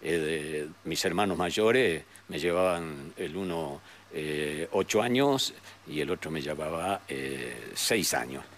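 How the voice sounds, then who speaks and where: An older man with a northwestern Argentine accent, telling memories as an interview guest in a rambling, halting way with frequent tag questions. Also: a bass voice, a bit bright. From San Salvador de Jujuy, Argentina. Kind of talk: reminiscing in a conversational interview. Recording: noticeable background noise.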